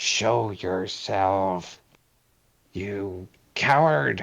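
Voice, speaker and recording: A man puts on a growling character voice. His pitch is very deep and low, with lively intonation. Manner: growling, menacing.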